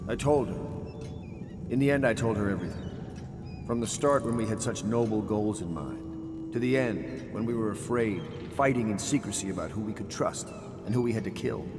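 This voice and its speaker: An actor playing a proud, bitter naval admiral, middle-aged and guilt-ridden, in a grave, theatrical video game monologue. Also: male voice, on the low side, natural voice. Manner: brooding, grave, theatrical, resigned. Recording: long reverb, loud music over voice.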